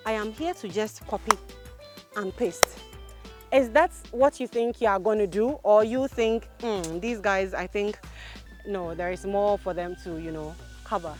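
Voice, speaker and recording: A woman's voice: medium pitch, a bit bright. A woman presenting outdoors in a farm paddock, talking directly to viewers in an upbeat way.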